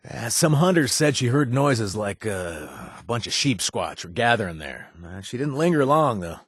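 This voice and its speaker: An actor playing a wry, chatty wasteland informant in a video game, husky, with a hesitant, rambling delivery and joking asides. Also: male voice, medium pitch, sing-song, moderate pace, no room sound, clean studio sound. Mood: dryly joking. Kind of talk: video game voice acting, casual spoken tips.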